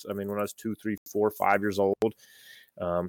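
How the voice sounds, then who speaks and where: In a very clean recording with a silent background and a dry, close sound with no echo, a man speaks with an American accent in a fairly low, monotone, flat voice. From northwest Montana. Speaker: outdoorsman. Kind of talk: casual chat. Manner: halting, many fillers.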